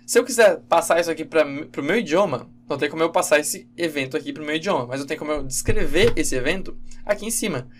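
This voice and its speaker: A man giving a casual, halting screen-recorded programming lesson, with many fillers and self-corrections. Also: on the high side, animated, slight background noise. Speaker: game development instructor.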